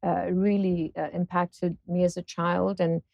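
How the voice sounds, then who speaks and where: A woman in her fifties from Singapore, a guest in an interview, speaking thoughtfully with many pauses and fillers. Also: on the low side, flat delivery, gravelly, darkish tone, dry recording. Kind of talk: casual interview conversation.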